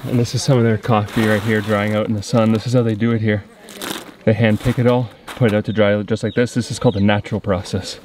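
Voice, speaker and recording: Holding the camera at arm's length, this young vlogger and coffee company founder speaks earnestly and directly to viewers in a casual video, moving from a rural road to his car and later a village. He is a native English speaker with a medium-pitched voice, and a little hiss or hum sits in the audio.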